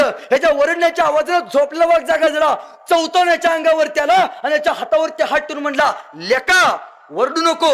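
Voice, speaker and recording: A man delivers a motivational speech in a high voice. He tells his stories dramatically, rising into loud appeals and then dropping to hushed lines. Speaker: motivational speaker.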